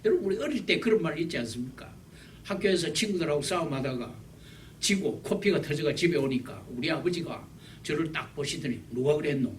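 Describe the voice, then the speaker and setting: A male pastor delivers a sermon in an emphatic, repetitive style, his voice rising high and leaping across a wide range. He sits back from the microphone, and a faint hiss runs underneath. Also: lively intonation, fairly quick. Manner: emphatic, repetitive preaching with wide swings in loudness. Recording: distant mic with faint background hiss.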